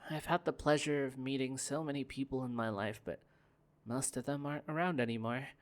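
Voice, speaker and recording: A young man voicing a gentle, guarded corporate heir in an ASMR roleplay, speaking softly with stammering restarts. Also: medium pitch, fairly even intonation, brisk, lightly acted. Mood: wistful. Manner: soft-spoken, hesitant, stammering restarts. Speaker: roleplay performer.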